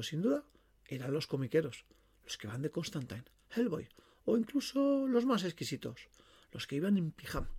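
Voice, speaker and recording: Expressive husky man telling horror tales. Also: a little high. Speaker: narrator of a horror short story. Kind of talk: dramatic storytelling narration.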